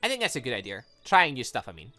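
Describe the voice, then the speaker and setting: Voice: medium pitch, wildly swooping pitch, quick pace, sharp tone, soft background music, pitched below the performer's own voice. Someone reading as a brash young woman fighter. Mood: teasing. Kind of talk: reading visual novel dialogue aloud.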